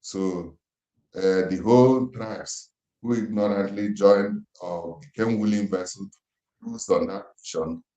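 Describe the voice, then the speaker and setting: Deep-voiced Nigerian man on an echoey phone call. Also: warm tone. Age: 50s. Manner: slow, emphatic, grave. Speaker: interviewer on a call. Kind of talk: impassioned questioning, near-sermon.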